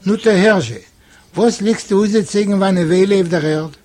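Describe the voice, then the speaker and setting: Husky-voiced man reading a story aloud. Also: high voice, moderate pace. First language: Yiddish. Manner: expressive storytelling with quoted dialogue. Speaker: reader. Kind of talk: literary reading.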